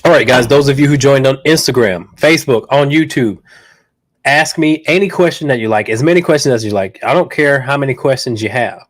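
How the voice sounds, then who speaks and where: A man's voice: mid-range voice, fairly quick. Dog trainer guy doing a live q&a, blunt and slangy, stuffy nose from a cold. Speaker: dog trainer and show host. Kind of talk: live Q&A stream.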